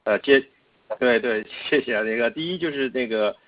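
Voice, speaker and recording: A man's voice: medium pitch, brisk. A man calling in to an earnings call with questions, stammering and repeating himself. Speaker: caller, analyst asking questions. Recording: dull conference phone line.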